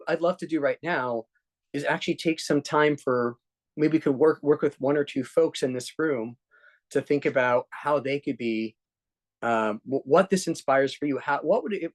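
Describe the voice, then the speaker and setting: A man speaking as an executive coach at a workshop, earnest, often checking in with "right?" and restarting sentences. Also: medium pitch. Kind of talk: workshop talk to a live group.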